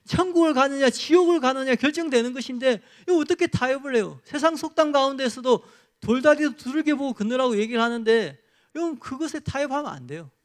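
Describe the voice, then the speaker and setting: A man's voice: extremely high pitch, lively intonation, fast talker. A male pastor preaching a sermon and leading a closing prayer in an earnest, exhorting manner.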